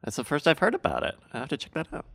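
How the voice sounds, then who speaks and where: Man, podcast co-host, high voice that swings widely, excitable. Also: gravelly. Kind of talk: casual chat.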